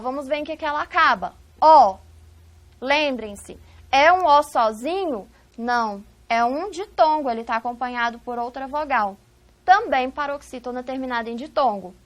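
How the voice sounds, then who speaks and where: A woman whose voice sits high and a bit bright teaches a recorded video lesson with a Brazilian Portuguese accent. Her manner is didactic: she poses rhetorical questions to the class and answers them herself.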